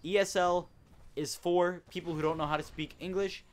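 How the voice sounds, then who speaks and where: A man's voice: high-pitched, fairly even intonation, moderate pace. Chatty teenage boy telling a story. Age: teens. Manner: chatty storyteller, indignant, rambling. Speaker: host. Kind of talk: casual gaming commentary chat.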